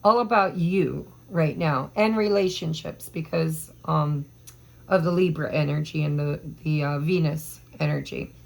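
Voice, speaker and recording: A woman doing a casual tarot reading to camera, hoarse from allergies, chatty and meandering as she thinks aloud. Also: low voice, a little slow, low-quality recording. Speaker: tarot reader.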